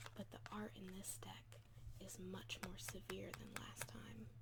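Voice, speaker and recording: Over noticeable background noise, a soft-spoken woman whispers at a very slow pace. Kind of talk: ASMR tarot reading. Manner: soft-spoken, whispered, slow.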